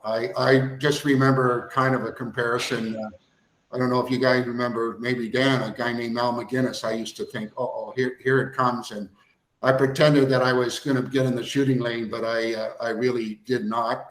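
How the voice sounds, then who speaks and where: An older man, a former athlete and coach, talking casually and haltingly on a sports panel. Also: mid-range voice, a bit bright. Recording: roomy, echoing sound.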